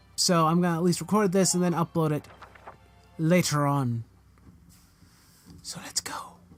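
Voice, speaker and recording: A quiet voice speaks with long, frequent pauses while music plays in the background. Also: moderate pace. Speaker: gaming youtuber. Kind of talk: let's play commentary. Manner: quiet, hushed.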